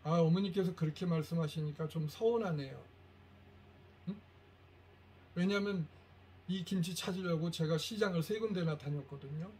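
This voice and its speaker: A middle-aged man giving a lecture to parents, telling stories and acting out quoted lines with lively shifts. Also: a little high, moderate pace, long pauses. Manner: animated storytelling, acts out quoted lines.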